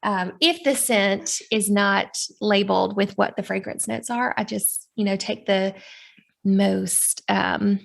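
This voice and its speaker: A woman's voice: mid-range voice, fairly even intonation, slow pace, creaky. A woman in her thirties, a candle maker, talking casually in an interview with lots of fillers and easy laughs. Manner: chatty, friendly, frequent fillers and laughs.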